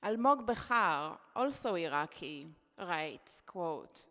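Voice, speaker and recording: Slow, measured woman reading aloud. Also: fairly low pitch, sing-song, a bit bright. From Israel. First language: Hebrew. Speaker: contributor reading at a poetry event. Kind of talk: reading her own essay aloud. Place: event hall. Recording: long reverb of a hall.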